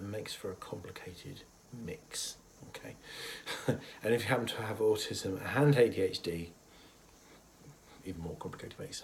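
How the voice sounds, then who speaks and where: A man speaks in a lowish, husky voice, roughened by a cold. He talks casually and thoughtfully to camera, pausing often on fillers as he explains. A faint hiss of room ambience sits under his voice. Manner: thoughtful, hesitant with many fillers, chuckles softly. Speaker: therapist. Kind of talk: casual educational talk to camera.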